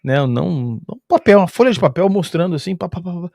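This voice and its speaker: A man with a Brazilian Portuguese accent tells a travel story in relaxed, casual conversation, his gravelly voice a bit higher than most men's and brisk. He is lively, chuckles often, and fills gaps with sound-effect words. The recording is dry and close, with no room echo.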